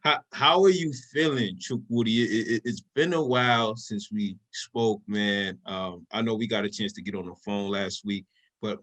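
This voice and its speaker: A man's voice: lowish voice, a bit bright. A man co-hosting a podcast, chatting in a laid-back, friendly way and calling his guest "bro". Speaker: podcast co-host. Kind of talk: casual podcast conversation.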